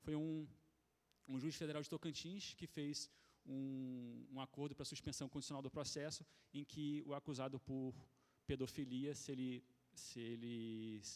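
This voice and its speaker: A man with a fairly high voice speaks in a fairly even tone, leaving long, frequent pauses. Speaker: forensic expert speaker at a workshop. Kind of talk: conference talk. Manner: hesitant, many fillers; fast.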